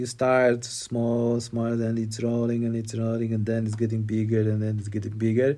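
A man with a Polish accent, medium pitch, dark and mellow tone, monotone flat intonation, moderate pace and hardly any pauses. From Poland. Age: 30s. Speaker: photographer. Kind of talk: casual chat. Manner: halting.

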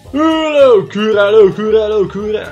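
A man's strained, put-on character voice, pitched high and fairly slow, with music in the background. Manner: disgusted, slurred.

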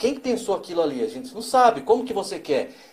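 Lively in intonation, a man speaks with a Minas Gerais accent. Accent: Mineiro Brazilian Portuguese. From Brazil, central-west Minas Gerais. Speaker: radio announcer and voice-over artist. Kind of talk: interview.

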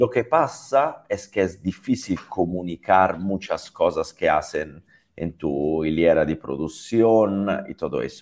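Speaking with an Italian accent, a man uses a fairly low pitch, lively intonation and a fairly slow pace. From Italy. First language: Italian (speaking Spanish). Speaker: social entrepreneur. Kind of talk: interview. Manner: halting.

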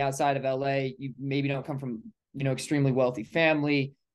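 With a quiet background, a man talks at a moderate pace. It is a normal speaking voice, fairly high in pitch. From Oregon, US. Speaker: actor, writer and film producer. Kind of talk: interview.

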